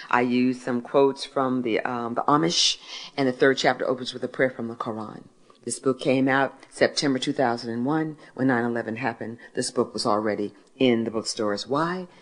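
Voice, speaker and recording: A woman in her sixties from Philadelphia, sharing a faith testimony with an audience, telling stories and asking and answering her own questions. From Philadelphia, United States. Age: 60s. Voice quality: deep voice. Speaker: author and speaker.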